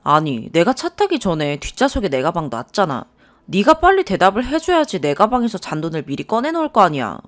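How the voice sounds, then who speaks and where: A woman voicing a hot-tempered, impatient young husband who snaps and scolds in a lowered voice. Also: huge pitch swings, brisk. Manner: irritated, snapping and scolding.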